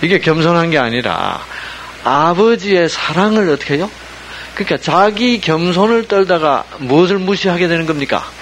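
The pastor's voice is a little high and moves at a moderate pace as he preaches, animatedly quizzing the congregation with rhetorical questions he then answers. There's some hiss or hum, and the recording quality is low.

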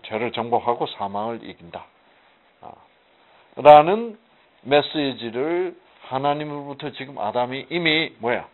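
A man's voice: mid-range voice, animated, unhurried. A man teaching a casual Bible study, asking rhetorical questions and answering them himself with emphasis. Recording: muffled phone-like audio.

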